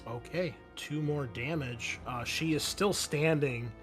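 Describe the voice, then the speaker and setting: A man's voice: on the high side, takes it slowly, music in the background. A man narrating a tabletop roleplaying game as game master, improvising in a casual, profane way.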